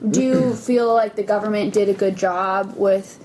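An American woman conducts a casual interview in a mid-pitched voice. Her questions are informal and loosely phrased, like everyday chat. A faint low rumble sits behind her. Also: steady tone, moderate pace, darkish tone, poor audio. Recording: low rumbling background noise.

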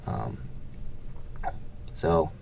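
A man from Vietnam, answering interview questions casually and haltingly, often hedging with "you know" and "like". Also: background noise.

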